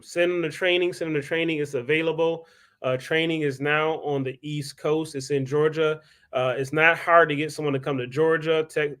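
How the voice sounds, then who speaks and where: A chatty man hosting a live stream. His voice sits a little high for a man, and he talks loosely, with plenty of fillers, calling out viewers by name. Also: a bit bright. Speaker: host. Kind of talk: casual live-stream chat.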